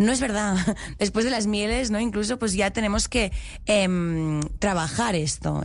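This woman has a Spanish accent. Her speech rises and falls in a lively way. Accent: Spanish (Spain). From Spain. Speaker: sexologist. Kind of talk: radio interview.

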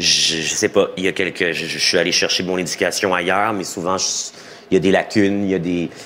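A man's fairly low voice at a moderate pace, with fairly even intonation and noticeable background noise. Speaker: film and TV director. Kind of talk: interview. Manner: halting.

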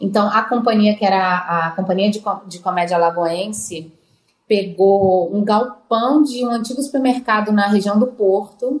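A woman speaks in an unremarkable speaking voice at a medium pitch. Her pace is fairly slow, with ordinary pitch variation. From Brazil, Alagoas (Maceió). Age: 40s. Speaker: actress. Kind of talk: casual interview.

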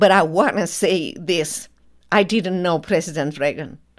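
On a very clean recording with a silent background, a woman with a Romanian accent talks at a fairly slow pace with lively intonation. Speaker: attorney. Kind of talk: testimony.

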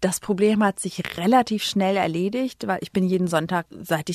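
A woman's medium-pitched voice at a moderate pace, dry and close with no echo, over a quiet background. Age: 50s. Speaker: TV presenter and cookbook author. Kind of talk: interview. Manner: animated.

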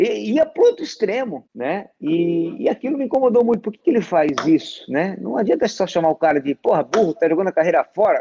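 Talking at a fairly quick pace with hardly any pauses, a man with a high pitch and a dark, mellow tone makes very wide pitch swings in a dry, close sound with no echo. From Brazil, born in Uruguay. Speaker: former footballer, athlete career manager. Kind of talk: radio interview.

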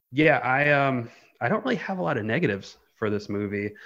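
A man with an unremarkable speaking voice talks fairly quickly against a quiet background, his pitch moving in a normal way. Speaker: podcast guest. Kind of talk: casual chat.

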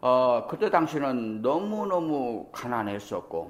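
A man at a medium pitch talks with vocal fry and very wide pitch swings. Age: 60s. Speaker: son of an abducted lawmaker. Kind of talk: interview testimony.

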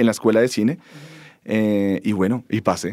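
In a Bogotá accent, a man speaks at a moderate pace. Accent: Bogotá Colombian Spanish. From Bogotá, Colombia. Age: 30s. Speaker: film director. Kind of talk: interview. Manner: hesitant, many fillers.

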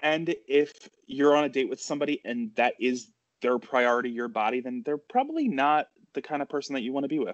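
A man with an unremarkable speaking voice talks at a fairly quick pace, his fairly high pitch showing ordinary pitch variation. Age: 30s. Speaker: body neutrality activist. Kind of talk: interview. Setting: radio show.

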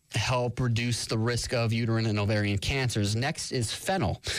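A man with fairly even intonation and a plain, everyday voice. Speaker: health coach radio host. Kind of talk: call-in health advice show.

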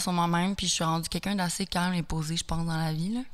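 A woman talks at a fairly quick pace. Her pitch is fairly low and her intonation fairly even. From Quebec, moved around abroad as a child. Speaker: singer. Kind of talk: interview.

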